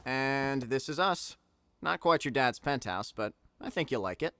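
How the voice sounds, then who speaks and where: A man's voice: medium pitch, lively intonation, unhurried, bright, forceful tone, smooth, no room sound. An actor playing an easygoing, cheeky teenage boy in an audio drama, talking casually and breezily. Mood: breezy, reassuring.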